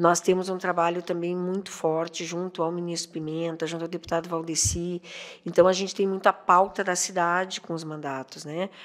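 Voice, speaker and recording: In a fairly low voice, a woman speaks at a moderate pace with monotone, flat intonation. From southern Brazil, Uruguaiana (Rio Grande do Sul); Rio Grande do Sul, Brazil. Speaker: city councillor and teacher; city councillor, teacher. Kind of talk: interview. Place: studio. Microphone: studio mic.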